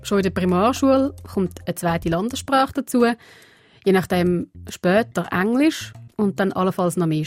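A woman whose first language is Portuguese, narrating a radio feature in a lively storytelling manner. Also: mid-range voice. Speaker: radio reporter and presenter. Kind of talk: scripted narration with reportage.

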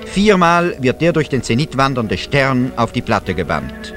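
Man narrating an old newsreel. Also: medium pitch. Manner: formal, measured announcer delivery. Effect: archival newsreel clip played on air.

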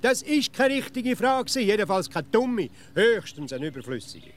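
A man's voice: high-pitched, sing-song, moderate pace. An actor with a Swiss accent playing a grumpy, impatient man in a children's radio play, grumbling and sarcastic. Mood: exasperated. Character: grumpy, impatient know-it-all grown man.

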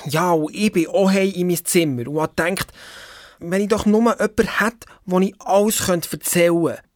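A woman's voice: on the low side, normal speed, no echo, clean studio sound, natural voice. A woman voicing a Swiss German boy narrator. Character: boy, about twelve, torn and secretive. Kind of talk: audio drama narration. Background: background music.

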